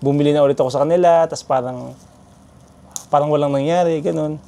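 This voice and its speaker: A man tells a personal story in a casual vlog, slipping into English as he goes. His voice sits fairly high but sounds warm and mellow, and his delivery is animated and chatty. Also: brisk, creaky. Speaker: vlogger.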